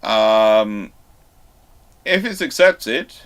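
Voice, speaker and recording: A man's voice: fairly low pitch, expressive, very slow, a bit bright. A man hosting an unscripted history Q&A, talking discursively and often reworking his sentences as he goes. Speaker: host of a live history Q&A show.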